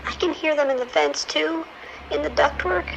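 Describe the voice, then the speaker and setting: A woman playing a haunted ranger dispatcher giving grave, halting warnings in a horror radio drama. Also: high voice, gravelly, lo-fi sound, background noise. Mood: haunted dread.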